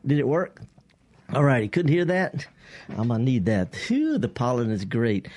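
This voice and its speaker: A man hosting a gardening call-in radio show, his voice husky from pollen, folksy and rambling. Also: medium pitch, big pitch swings, moderate pace, darkish tone. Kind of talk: casual radio call-in talk. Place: radio studio. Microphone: studio microphone.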